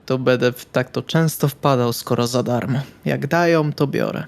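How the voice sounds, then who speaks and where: A man's voice: mid-range voice, normal speed, gravelly. A man playing a tabletop roleplaying game, talking conversationally in character in a hesitant, understated manner.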